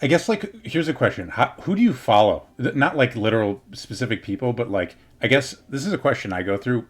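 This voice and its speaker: A man's voice: medium pitch, lively intonation, fairly quick. A man hosting a casual gaming livestream interview, playful and scattered, with stop-start questions. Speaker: livestream host.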